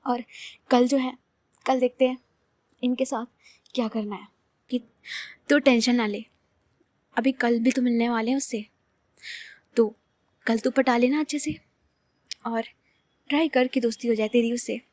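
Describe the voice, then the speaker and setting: A woman's voice: fairly high pitch, steady tone, a little slow, pauses often, darkish tone, no room sound, lightly acted. A woman voicing an easygoing, teasing young woman who soothes her angry friend in a laid-back way. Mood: soothing.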